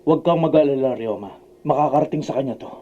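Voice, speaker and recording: Fast, mellow anime man, reassuring acted. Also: medium pitch, lo-fi sound, natural voice. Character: reassuring character in a dubbed anime. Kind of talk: Tagalog anime dubbing.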